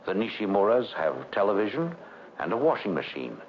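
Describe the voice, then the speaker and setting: A man narrating a scripted 1960s educational documentary in a measured, formal delivery. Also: lowish voice, sing-song, slight background noise. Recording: dull vintage 1960s film soundtrack. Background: background music.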